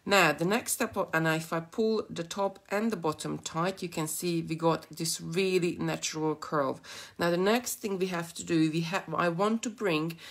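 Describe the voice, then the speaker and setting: A middle-aged Hungarian-accented woman with a notably low, deep voice walks viewers through a beading project. She chats freely and drifts into giggly asides as she works at a craft table. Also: steady tone, moderate pace, vocal fry. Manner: chatty, giggly, rambling asides while working. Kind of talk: live beading tutorial.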